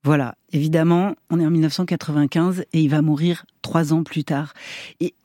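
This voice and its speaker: Lady radio host, mellow voice, measured, dry studio sound. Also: low voice, fairly even intonation, dry recording. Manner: measured, with fillers. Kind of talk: radio interview.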